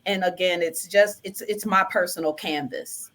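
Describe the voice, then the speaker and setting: A woman's voice: on the low side, fairly even intonation, moderate pace, a bit bright. A woman artist chatting casually as a guest in an informal, enthusiastic way. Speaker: recording artist, poet, guest. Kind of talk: casual chat.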